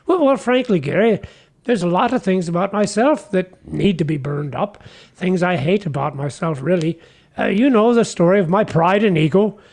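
Give me a humble fisherman apostle for a radio skit, high-pitched, earnest and halting. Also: vocal fry, a little mellow. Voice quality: halting, repeats his words. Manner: earnest, homespun, chatty. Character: humble folksy fisherman apostle, middle-aged man. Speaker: guest character. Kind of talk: comic radio sketch.

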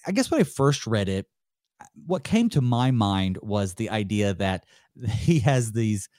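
A man's voice: fairly low pitch, animated, measured pace, warm tone, dry recording, studio quality. A male pastor hosting a solo Bible study, talking it through in a conversational way, thinking aloud with light chuckles. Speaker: pastor and host.

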